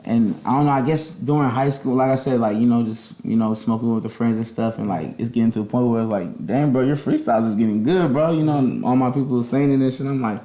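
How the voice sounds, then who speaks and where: A man's voice: mid-range voice, fast talker, hardly any pauses, warm tone, roomy sound. A young man, a rapper, talking loosely as a podcast guest, rambling with lots of slang and fillers. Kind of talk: casual podcast chat.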